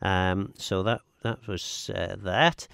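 A man's voice: sits low, steady tone, slow, creaky, fairly bright tone, smooth, dry recording, studio quality. A man with an Isle of Man accent hosting a live radio phone-in, chatting and reading out texts with hesitant, stammering starts. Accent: Manx (Isle of Man).

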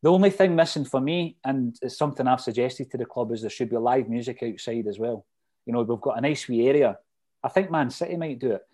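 Middle aged scottish guy w a fife accent, mellow voice, chatting away about old memories, lots of detail. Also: medium pitch, expressive, a little fast. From Fife, Scotland. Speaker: interview guest, lifelong football supporter. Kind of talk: casual reminiscing chat.

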